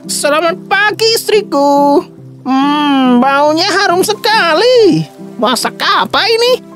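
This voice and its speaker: Old fisherman, stubborn and fussy , voiced by a woman: very high voice, unhurried delivery. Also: expressive, a bit bright, faint music behind, heavily acted. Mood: cheerful. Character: elderly male fisherman, hardworking and stubborn.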